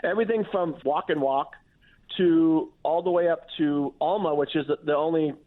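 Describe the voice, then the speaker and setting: A man's voice: fairly high pitch, normal speed. A man who is a chef and restaurant owner, talking casually as a radio interview guest, with lots of restarts and "you know"s. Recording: tinny phone-line audio.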